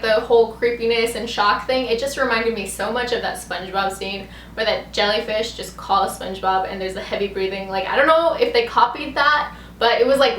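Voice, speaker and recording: A woman's voice: on the high side, fairly bright tone. A young woman vlogger telling a story in a casual, chatty, rambling way, saying "like" a lot. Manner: rambling, heavy use of "like". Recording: echoey room with background noise.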